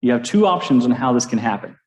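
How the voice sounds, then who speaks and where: A man's voice: medium pitch, animated, quick pace, roomy sound, rough recording. A man preaching a sermon to his congregation, playful and self-deprecating, drawing the listeners into a call-and-response game. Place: church sanctuary.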